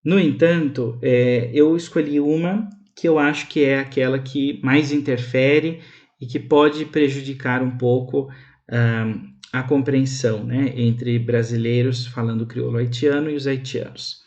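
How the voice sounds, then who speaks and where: A man's voice: medium pitch, fairly even intonation, unhurried, darkish tone. A man from Brazil teaching a university lecture, explaining patiently and checking in with his listeners. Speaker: instructor. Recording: slightly dull lo-fi audio.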